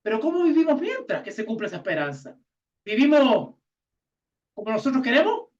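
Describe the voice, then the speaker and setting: A man with a Chilean accent teaching a Bible class. He reads verses slowly and adds asides and checking questions to the class. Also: very high-pitched, sing-song. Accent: Chilean Spanish. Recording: distant mic, dull lo-fi sound.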